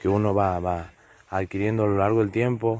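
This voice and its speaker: The man's fairly low voice keeps a fairly even intonation. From Santiago del Estero, Argentina. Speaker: folk musician. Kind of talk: recorded interview testimony. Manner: halting.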